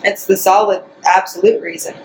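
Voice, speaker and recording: A woman guest talks in a casual chat, witty and quick to argue her side. Her voice sits at a middling pitch. Faint background noise hums underneath. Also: fairly even intonation, darkish tone, poor audio. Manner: witty, argumentative, quick comebacks. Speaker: interview guest.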